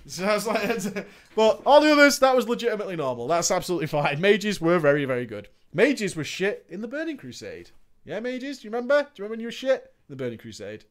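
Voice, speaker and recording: Animated, high-voiced man. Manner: animated, sarcastic asides, laughs often. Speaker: story reader. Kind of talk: comic reading of a gaming story with asides.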